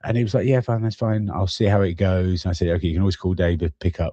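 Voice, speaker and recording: A man with a very deep, low pitch speaks at a very fast pace with ordinary pitch variation. His tone is dark, mellow and somewhat breathy, in a dry, close sound with no echo against a quiet background. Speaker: ultrarunner vlogger. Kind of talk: casual vlog recap, live with comments. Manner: halting, many fillers and restarts.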